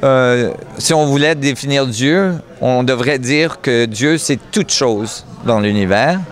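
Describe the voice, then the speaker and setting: Canadian-accented French-speaking man, explaining earnestly. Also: medium pitch. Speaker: interview guest. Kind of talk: explanatory interview talk.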